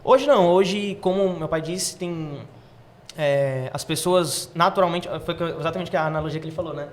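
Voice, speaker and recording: A young man, the son in a family business, talking in an animated, casual way with slangy fillers. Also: fairly high pitch, slight background noise. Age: young adult. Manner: fast, animated, uses slang fillers like "cara". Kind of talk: casual interview talk.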